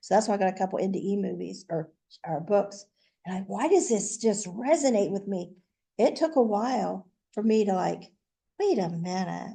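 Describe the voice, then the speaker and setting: A woman's dark, mellow tone at medium pitch, with vocal fry, a moderate pace and ordinary pitch variation. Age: 60s. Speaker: near-death experiencer sharing her story. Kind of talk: testimony. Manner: halting.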